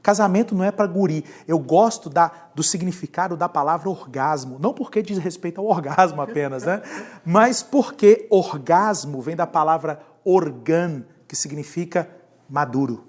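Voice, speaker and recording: Lively pastor from lecturing. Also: male voice, a little high, normal speed. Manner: lively, repeats key words, asks the class questions. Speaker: pastor teaching a leadership class. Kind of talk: classroom lecture.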